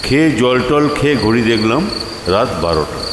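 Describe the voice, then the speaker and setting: A male storyteller narrates in a lively, dramatised way, his pitch rising and falling widely as he slips into dialogue. Crickets and noticeable ambient noise sit behind his voice. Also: normal speed. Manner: expressive, acts out the dialogue. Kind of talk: dramatised first-person storytelling. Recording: noisy track with cricket and insect sounds.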